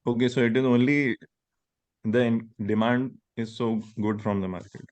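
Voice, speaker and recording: A man's voice: mid-range voice, fairly even intonation, moderate pace, darkish tone, no echo. A man with an Indian accent putting questions to company management as an investor on an earnings call. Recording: dull, dry conference line.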